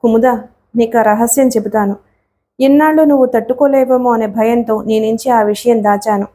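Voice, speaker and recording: A woman's voice: a little high, steady tone, normal speed, warm tone, natural voice. Woman reading as a worried protective father. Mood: earnest. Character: worried middle-aged father, protective and gentle.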